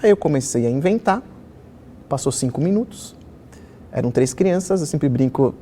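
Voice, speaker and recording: In a lively interview full of filler words, a middle-aged man originally from Israel shares stories from his life as a children's author. His pitch is a touch high, his speed normal, and slight background noise can be heard.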